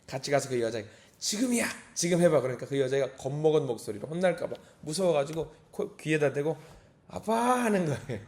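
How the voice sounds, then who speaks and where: A man's voice: mid-range voice, fast, hardly any pauses, mellow. A man preaching a dawn service sermon, earnest and at times emphatic as he acts out prayers. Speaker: pastor.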